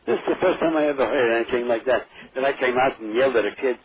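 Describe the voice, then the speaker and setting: A man's voice: mid-range voice, quick pace. A man in his eighties on the phone, confused, repeating his questions and swearing now and then. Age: 80s. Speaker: prank call recipient. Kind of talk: phone conversation. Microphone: telephone. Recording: noisy phone line.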